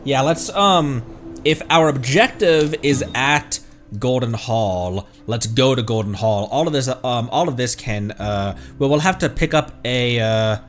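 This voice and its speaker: A man's voice: mid-range voice, a little slow. A man giving casual live game commentary as a streamer, with murmured asides that trail off mid-thought. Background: game music.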